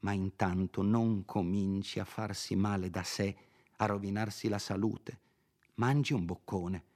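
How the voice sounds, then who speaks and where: A fussy middle-aged housekeeper woman, chiding and pleading in a raised voice, as a male reader puts her on. The voice sits only somewhat higher than a low male voice, and the pace is unhurried. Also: fairly even intonation, darkish tone. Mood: scolding. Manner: scolding, pleading, raising the voice.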